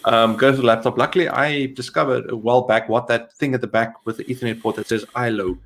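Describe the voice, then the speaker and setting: A man's voice: mid-range voice, fairly even intonation, quick pace, a bit bright, slight background noise. A man co-hosting a casual tech stream, telling anecdotes in a rambling way and often interrupting himself. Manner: rambling, self-interrupting storytelling. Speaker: live stream co-host.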